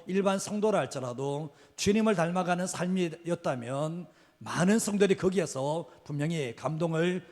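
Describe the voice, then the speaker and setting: A middle-aged man preaching a sermon as pastor, earnest and repetitive, his sentence ends often trailing off quietly. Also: fairly high pitch. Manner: earnest, repeats key phrases, trails off at line ends. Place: church sanctuary. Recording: long hall reverb.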